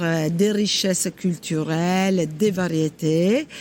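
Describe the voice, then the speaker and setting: Woman at a medium pitch, ordinary pitch variation, very slow pace. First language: Italian (speaking French). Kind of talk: interview monologue. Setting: trade fair. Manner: hesitant, many fillers.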